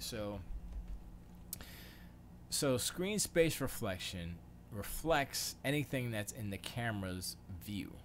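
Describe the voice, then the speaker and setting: A man's voice: lowish voice, slight background noise. A man from Florida hosting a casual livestream, thinking aloud as he tinkers in his home studio, muttering questions to himself and trailing off mid-sentence. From Florida, USA. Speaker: livestream host.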